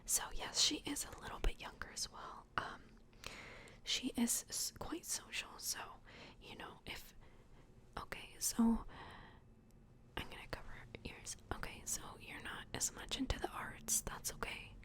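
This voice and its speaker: A woman doing a soft-spoken, whispered ASMR personal-attention roleplay as an adoption worker, gentle, hushed and reassuring. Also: unhurried. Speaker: ASMR roleplay host playing a plush toy adoption worker.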